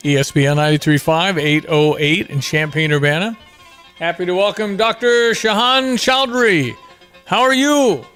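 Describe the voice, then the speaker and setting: High-pitched male radio host. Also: normal speed, fairly bright tone, faint music behind. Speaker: radio morning show host. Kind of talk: live radio interview, casual chat.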